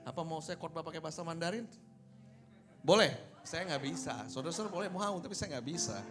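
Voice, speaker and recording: Male pastor, high voice, informal teasing sermon delivery over instrumental music. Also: animated, fast. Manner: informal, teasing, checks often with listeners using rhetorical questions. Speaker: pastor, preacher. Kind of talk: sermon, conversational and joking.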